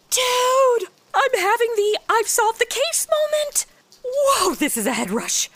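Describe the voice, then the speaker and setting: Actress as sassy twenty-something woman detective, bright voice, very animated, slangy, wisecracking, comedy audio drama. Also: very high-pitched, slow, dry recording, heavily acted. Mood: excited. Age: 20s. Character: brash modern twenty-something amateur detective, flippant and excitable. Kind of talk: comedy audio drama acting with wry narration.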